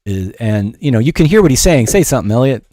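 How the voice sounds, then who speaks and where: With a mid-range, sing-song voice and a quick pace, a middle-aged man teaches music production on a casual livestream. He is the show's host, and his delivery is rambling, informal and self-deprecating.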